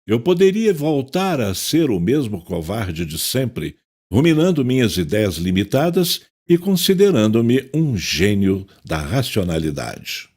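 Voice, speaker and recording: A man's voice: on the low side, big pitch swings, unhurried, darkish tone, breathy edge, exaggerated voice. An actor with a Brazilian accent playing a tormented, self-loathing psychiatrist in an audio drama, anguished and theatrical as he confesses. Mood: brooding, regretful.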